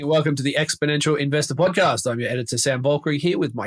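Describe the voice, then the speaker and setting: A man talks with an Australian accent. His pitch is fairly high with ordinary variation. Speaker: podcast host, investment editor. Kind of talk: casual chat. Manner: halting, repetitive.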